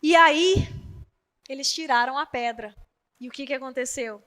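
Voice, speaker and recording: A woman's voice: sits high, normal speed, bright, forceful tone, in a large hall. A woman preaching a sermon at a women's meeting in a church. She tells the story animatedly and acts out the quoted voices. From Brazil. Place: church hall.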